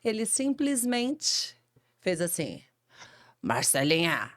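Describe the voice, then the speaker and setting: Brazilian woman telling a lively anecdote. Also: medium pitch, moderate pace, no echo, clean studio sound. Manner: lively storyteller who acts out quoted dialogue, laughing often. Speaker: radio presenter, podcast guest. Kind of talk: casual chat, anecdote telling.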